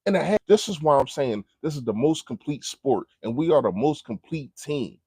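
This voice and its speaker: A man's voice: on the high side, expressive, moderate pace, warm tone, slightly rough, no echo. A man giving casual, unscripted sports commentary as a fan, speaking colloquially and emphatically and repeating phrases to drive points home. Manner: colloquial, informal grammar.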